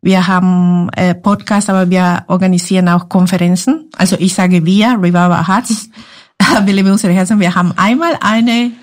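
A woman from Guatemala whose first language is Spanish, speaking with a Guatemalan Spanish accent, talking earnestly and haltingly about her ministry work as an interview guest. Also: fairly low pitch, fairly even intonation. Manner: hesitant, many fillers, earnest. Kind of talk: casual interview talk.

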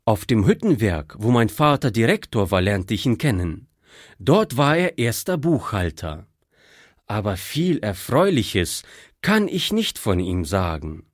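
A man's voice: fairly low pitch, big pitch swings, measured pace, dry recording, clean studio sound. A man voicing a young German prisoner of war who speaks politely and thoughtfully. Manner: polite, apologetic.

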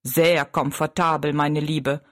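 Dignified male circus giant from a storybook, voiced by a woman, lowered and unhurried. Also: level tone, dry recording, clean studio sound. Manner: courtly and slow, bowing politeness. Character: tall thin dignified circus giant, adult man.

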